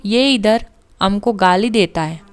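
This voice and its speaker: A woman voicing a gruff male traveler holding prayer beads who speaks in rough, broken sentences and makes threats. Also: medium pitch, slow pace, soft background music, close to an everyday voice. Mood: gruff threatening.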